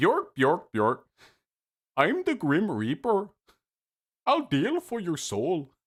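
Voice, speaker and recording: A man's put-on character voice with a Swedish accent, high-pitched, very slow and broken by long, frequent pauses, in a very clean recording with a silent background. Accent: mock Swedish. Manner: mocking.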